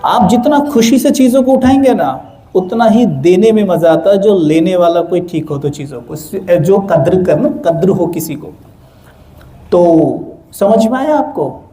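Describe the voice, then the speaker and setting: Young male spiritual speaker, high warm voice, animated, keeps asking the audience to call back. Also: measured pace. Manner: lively, asks the audience to answer aloud. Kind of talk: spiritual talk to a live audience.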